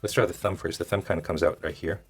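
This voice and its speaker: A man who is a little hoarse, giving casual step-by-step drawing instruction and thinking aloud as he demonstrates. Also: low-pitched, fairly even intonation, fast, faint music behind. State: hoarse, losing his voice. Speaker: drawing tutorial host.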